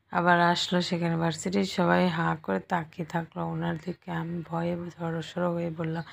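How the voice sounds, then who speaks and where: A woman narrating a romantic story in a steady, even reading voice. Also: fairly low pitch, creaky.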